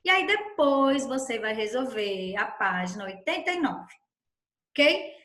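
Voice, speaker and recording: A Brazilian woman teaching a recorded lesson for young children, her voice a little high and very bright. She talks slowly and patiently in a sing-song way. The room around her is echoey. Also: animated. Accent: Brazilian Portuguese. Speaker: primary school teacher.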